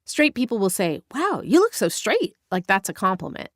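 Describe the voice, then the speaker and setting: A woman's voice: mid-range voice, big pitch swings, moderate pace, no room sound, studio quality. A woman reading the part of a candid, wry gay man in his thirties, speaking earnestly with light teasing.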